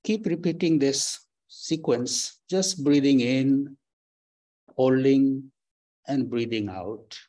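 A man leading a guided breathing meditation, giving slow, calm, soft instructions with long pauses. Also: medium pitch. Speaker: meditation teacher. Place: temple or meditation hall.

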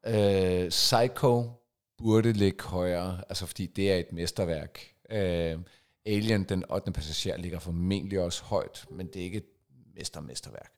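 A man's voice: low voice, fairly even intonation. A man co-hosting a podcast in casual chat, giving short reactions and confident opinions. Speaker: podcast co-host.

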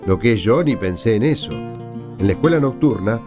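An actor playing an informal night-school student who narrates in a radio play, conversational, with a Rioplatense Argentine accent. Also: male voice, fairly low pitch, animated, moderate pace, over music, close to an everyday voice. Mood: chatty, wry. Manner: conversational, colloquial. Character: informal male night-school student telling his story. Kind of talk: radio drama acting.

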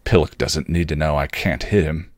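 A man voicing a cocky, sardonic British vampire with slangy, gruffly kind talk in a story reading. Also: a bass voice, moderate pace, no echo, studio quality, pitched below the performer's own voice.

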